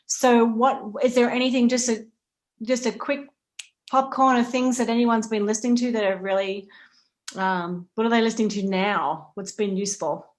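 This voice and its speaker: A woman's voice: fairly high pitch, fairly even intonation, moderate pace. A woman moderating a panel conversationally, with a chatty and encouraging manner.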